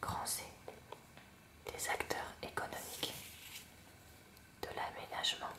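Whispering woman reading a lesson. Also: far from the mic. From France. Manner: soft unvoiced whisper, slow careful reading. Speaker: ASMR creator. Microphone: close mic near hairbrush on a table.

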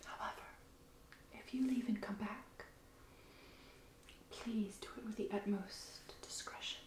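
A woman playing a mysterious, softly menacing witch shopkeeper in a hushed, deliberate ASMR role play. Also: mid-range voice, fairly even intonation, roomy sound, lightly acted. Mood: calm, discreet. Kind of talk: soft-spoken whispered ASMR role play. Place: small indoor room, candlelit set.

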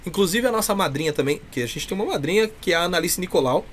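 Speaking with a Brazilian accent, a clown performer chats effusively as an interview guest, his high, fairly bright voice expressive and racing along. The small indoor room has a cloth backdrop, and there's a little hiss or hum.

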